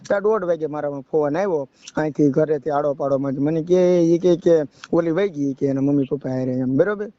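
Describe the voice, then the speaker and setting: A man's voice: fairly high pitch, brisk, warm tone, no echo. A young man with a rural Saurashtra Gujarati accent giving a rambling personal account on a phone call, often checking that the listener follows. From Gujarat, India. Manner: rambling, often adds a checking tag question. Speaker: caller seeking advice. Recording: dull lo-fi phone call recording.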